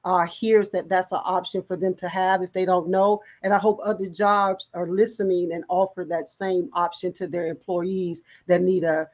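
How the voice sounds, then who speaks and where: A woman's voice: on the low side, little pitch movement, moderate pace, few pauses, lo-fi sound. Rambling female interview host. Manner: warm encouraging questions, rambling restarts. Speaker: talk show host. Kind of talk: interview in recovery show.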